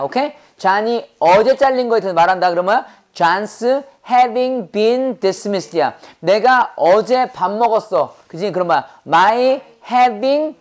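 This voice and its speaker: Brisk woman drilling students in class. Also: mid-range voice, darkish tone. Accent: Korean. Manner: quizzing students with rapid rhetorical questions; drills English phrases slowly and deliberately. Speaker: English teacher. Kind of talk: classroom grammar lecture.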